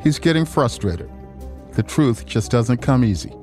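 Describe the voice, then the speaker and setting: A man narrating a documentary podcast in a measured, dramatic scripted style. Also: medium pitch, animated, a little mellow, soft background music. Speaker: podcast host.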